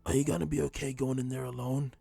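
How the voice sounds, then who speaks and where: A man's voice: medium pitch, little pitch movement, fast, creaky, warm tone, husky, soft background music. A man voicing a nervous, sweating male henchman in a storybook reading, speaking awkwardly and hesitantly. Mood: uneasy.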